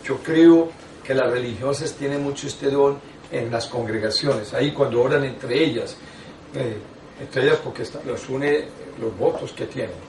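An older man, a priest, teaching a lay audience in a small meeting room, telling stories with lively asides and restarts. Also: medium pitch, moderate pace, recorded from a distance, slight background noise. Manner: animated storytelling with frequent asides and restarts. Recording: echoey room, taken from afar.

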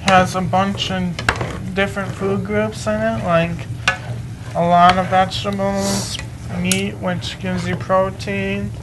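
A young man presenting a cooking show on a TV studio kitchen set, explaining each step in a plain, halting way. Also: high voice, level tone, background noise. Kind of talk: kitchen demonstration.

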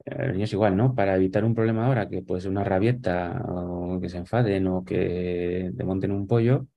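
Deep gravelly man on a video call. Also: steady tone, fairly quick, dull audio. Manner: thoughtful, explaining with many fillers and restarts. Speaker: guest. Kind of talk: casual conversation on a video call. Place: small room at home. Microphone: webcam on a video call.

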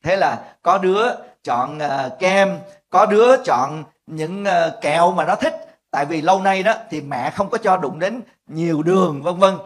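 An older man, a pastor, preaching a lively sermon and acting out family squabbles in voices. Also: high-pitched, measured pace.

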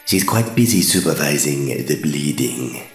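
A man's voice: very deep voice, expressive, unhurried, roomy sound, soft background music. A man playing a sinister, deranged scientist in an audio drama, with formal, creepily polite manners. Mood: politely menacing.

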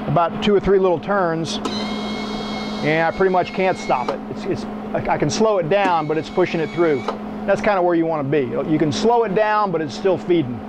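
A man's voice: a little high, a little fast, noisy background. A middle-aged man giving a hands-on welding tutorial in a small workshop, blunt and folksy, working the machine as he talks. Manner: demonstrating at the machine while talking. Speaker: welding instructor.

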